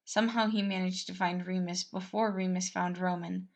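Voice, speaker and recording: A woman's voice: lowish voice, steady tone, moderate pace. A woman reading a story aloud as narrator, in a storytelling style. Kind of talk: storytelling narration of fan fiction.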